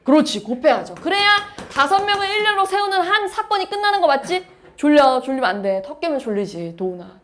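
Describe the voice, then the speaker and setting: A woman's voice: high voice, very animated, brisk, slight background noise. A woman math teacher lecturing a class, explaining step by step and asking her students questions.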